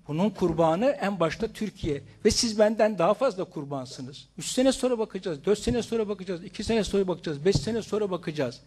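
A man's voice: sits high, darkish tone, slightly rough. Impassioned man declaiming a defense. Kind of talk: courtroom defense speech.

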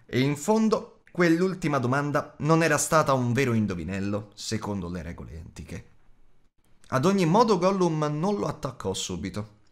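Expressive male audiobook reader. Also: medium pitch, moderate pace. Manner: dramatic, varied reading.

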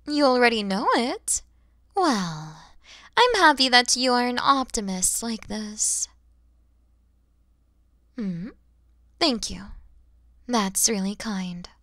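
A woman voicing a kind, motherly mature dragon in an ASMR roleplay, speaking softly and breathily with tender, soothing warmth. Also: a little high, lively intonation, slow pace, pauses often, no echo, clean studio sound. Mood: grateful, gentle. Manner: soft, breathy, soothing, often near-whispered.

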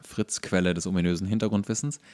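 A man's voice: low-pitched, fairly even intonation, fast, a little mellow. A man co-hosting a casual podcast chat, explaining trivia at length and in detail. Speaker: podcast co-host.

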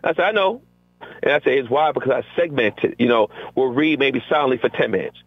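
Middle-aged man, teacher guest, lively talk acting out quotes, tinny phone-line sound, dry. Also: medium pitch, quick pace, breathy edge, no room sound, soft background music. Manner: energetic, acts out quotes from classroom exchanges. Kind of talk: conversational interview.

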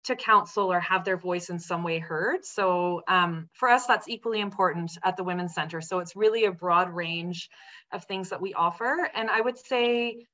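A woman in her thirties talks earnestly on a video call, her voice bright and a little forceful but somewhat low for a woman. She pauses often with ums and restarts her sentences. The audio sounds dull and lo-fi. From Netherlands. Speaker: guest, executive director of a women's centre. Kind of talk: interview over video call. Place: home room with colourful art on walls. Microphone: laptop webcam video call.

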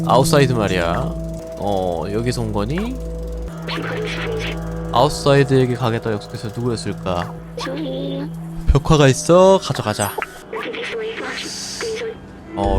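Excitable man narrating his gameplay. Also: mid-range voice, measured pace, long pauses. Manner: frustrated, exclaiming, mutters numbers to himself. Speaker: game streamer. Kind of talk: casual gameplay commentary. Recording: game music behind the voice.

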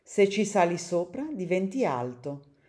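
A woman's voice: on the low side, very animated, a little slow, dark tone, pitched above the performer's own voice. A woman voicing a cheerful, precise young dog. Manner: cheerful, explanatory.

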